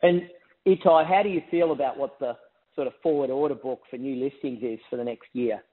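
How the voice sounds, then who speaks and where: A man with an average-pitched voice speaks over a narrow phone connection. He is an investor asking questions in a conversational way on an earnings call. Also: fairly quick. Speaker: investor caller. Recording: narrow, tinny phone line.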